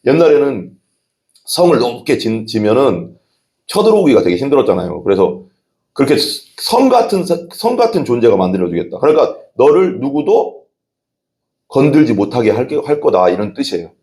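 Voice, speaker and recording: A man's voice: medium pitch, big pitch swings, normal speed, mellow. A male pastor giving a conversational sermon, asking the congregation rhetorical questions and breaking into sudden exclamations.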